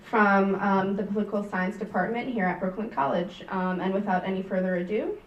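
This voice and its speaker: A young woman student introduces the speakers at a campus event, pausing often on fillers. She is heard from a distance in an echoey hall, with a faint hum of room noise behind her. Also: mid-range voice, lo-fi sound. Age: young adult. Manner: hesitant, with many fillers. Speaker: student organizer introducing a panel. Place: large lecture hall.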